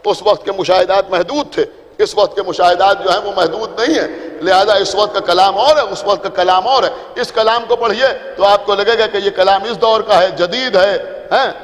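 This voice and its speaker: A male preacher with a Lucknow Urdu accent giving a sermon to a seated congregation, explaining things simply, repeating his points and checking that the audience follows. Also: high-pitched. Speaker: Shia preacher addressing a majlis. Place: large imambara hall. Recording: reverberant hall.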